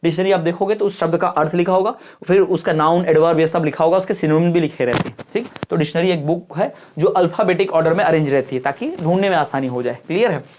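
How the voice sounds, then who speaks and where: Low-voiced woman teaching an exam-prep class. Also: a little mellow. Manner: reads English definitions slowly, then explains them; keeps checking understanding with quick questions.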